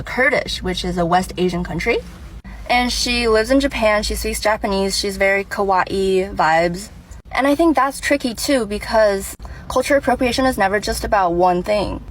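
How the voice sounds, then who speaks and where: A woman's voice: medium pitch, slight background noise, poor audio. A woman from China giving an earnest, casual explanation to camera in a short social video, with frequent fillers. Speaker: TikTok creator.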